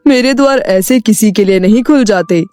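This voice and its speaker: A woman's voice: mid-range voice, normal speed, mellow, no echo, natural voice. Woman as a formal, commanding enchanted talking house. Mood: stern, challenging. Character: magical talking cake house, stern riddling gatekeeper. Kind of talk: animated Hindi moral story acting. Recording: music behind the voice.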